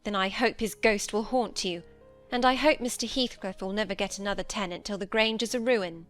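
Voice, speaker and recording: A reader voicing a sharp-tongued young woman of the house, speaking in a cutting, lifted voice. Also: medium pitch, fairly even intonation, fairly quick, soft background music, pitched above the performer's own voice, lightly acted. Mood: cursing.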